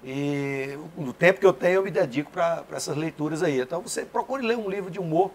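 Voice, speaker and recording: A man, a comedian, chatting quickly as a guest and laughing along at his own jokes. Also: fairly high pitch, slight background noise. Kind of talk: talk show conversation.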